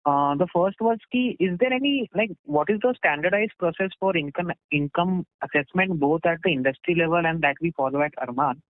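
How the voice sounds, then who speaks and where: A man's voice: a little high, brisk, few pauses, no echo. A man with an Indian accent, an analyst politely putting questions on a conference call in an unscripted way. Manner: polite, interjects short acknowledgements. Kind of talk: earnings call questioning, spontaneous. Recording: muffled dry conference call line.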